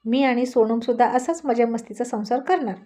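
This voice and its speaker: A woman's voice: on the high side, fairly quick, dark tone, natural voice. A woman voicing a cheerful young brother-in-law who chats eagerly, in a read-aloud story. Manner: eager, chatty.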